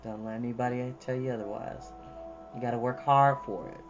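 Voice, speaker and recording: A man's voice: mid-range voice, fairly even intonation, fairly quick, muffled recording, music in the background. A man hosting a storytime channel, speaking casually in an earnest, reflective and encouraging way. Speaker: host of a storytime reading channel. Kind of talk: casual chat and expressive book reading.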